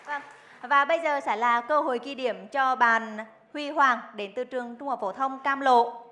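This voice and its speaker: A woman's voice: sits high, moderate pace, sharp tone, some chatter behind. A young woman hosting a game show, reading quiz questions in a formal, articulate way into a headset microphone. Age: young adult. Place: TV studio stage.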